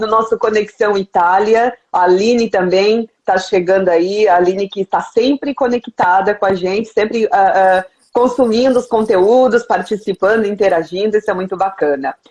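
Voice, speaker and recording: A woman's voice: medium pitch, normal speed, hardly any pauses, a little mellow. A woman with a southern Brazilian accent hosting a casual live interview online in an informal, chatty way. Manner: informal, chatty, often laughing. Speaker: host of an online interview show. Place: remote live video call.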